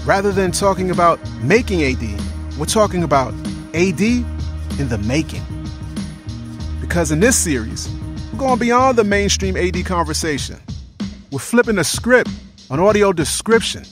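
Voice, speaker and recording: A man hosting and producing a podcast, narrating a scripted intro with dramatic pauses on key phrases. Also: high voice, very animated, music in the background.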